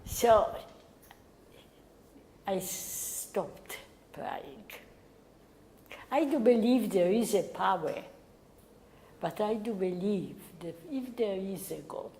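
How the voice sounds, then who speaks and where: Older woman, survivor testimony, slow halting delivery, mellow tone, faint hiss. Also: medium pitch, rough recording. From Poland. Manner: slow, halting, drops to a near whisper at times. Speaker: Holocaust survivor giving testimony. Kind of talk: recorded oral history interview.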